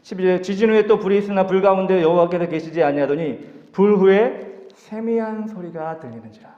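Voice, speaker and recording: A man preaching a sermon to a youth service, lively and acting out voices in dialogue. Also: sits high, fairly quick. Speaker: youth pastor. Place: church sanctuary. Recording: echoey hall, dull lo-fi sound.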